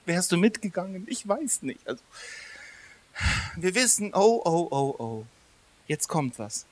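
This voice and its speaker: Lively, conversational male preacher. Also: sits high, unhurried. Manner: lively, conversational, swings between loud emphasis and quiet asides. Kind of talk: sermon.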